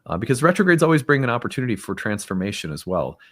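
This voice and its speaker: A man's voice: medium pitch, sing-song, rapid-fire, fairly bright tone, no echo. A man hosting an online talk show, making an earnest, upbeat appeal with some fillers. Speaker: host. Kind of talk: casual talk and fundraising appeal.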